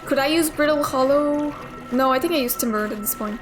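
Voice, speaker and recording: This gamer, a young woman with a high-sitting voice, talks briskly while playing through a game, casually commenting, musing aloud and swearing from time to time. The game's music plays clearly underneath.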